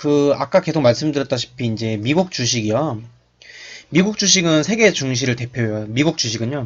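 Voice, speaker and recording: A man at a medium pitch speaks with a somewhat breathy voice. His pace is moderate and his intonation lively. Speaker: stock market YouTuber. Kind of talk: investment commentary.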